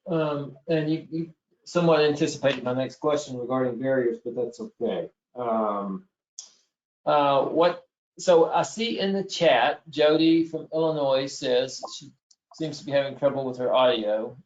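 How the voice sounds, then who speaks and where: A man moderating a virtual meeting, speaking slowly and deliberately and reading out updates from the chat. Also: mid-range voice. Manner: slow, deliberate, reads from chat. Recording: roomy, muffled call audio.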